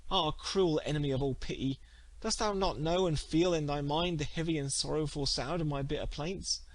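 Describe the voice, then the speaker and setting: A man's voice: a little high, moderate pace, dry recording, pitched above the performer's own voice, lightly acted. A man voicing an anguished, vengeful young woman, wailing melodramatically in an archaic storybook tale. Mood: furious grief. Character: anguished, vengeful young wronged woman lamenting her betrayal. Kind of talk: dramatic archaic storybook reading.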